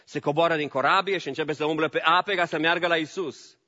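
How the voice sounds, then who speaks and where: A man preaching a sermon as pastor, swinging between loud exhortation and soft low asides, dropping in English phrases. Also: steady tone, in a large hall, dull audio.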